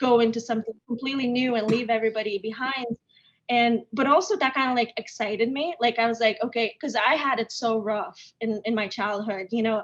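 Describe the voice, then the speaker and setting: In a Lithuanian accent, a woman speaks at a fairly high pitch with fairly even intonation. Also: fairly quick pace. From Lithuania, Vilnius. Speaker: artist. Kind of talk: interview.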